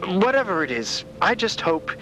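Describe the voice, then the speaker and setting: An actor playing a flustered, eager and deferential space explorer who stammers and rambles in a podcast drama. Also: male voice, sits high, sing-song, moderate pace, sharp tone, slight background noise, full character voice, poor audio. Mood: awed, hesitant. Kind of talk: fiction podcast character acting.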